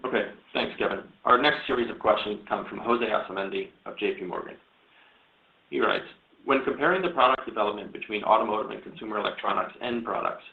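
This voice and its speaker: A man moderates an earnings call, reading out questions at a brisk pace in a low voice with plenty of creak. The line is phone-thin and echoes like a room. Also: narrow, tinny audio. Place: conference call.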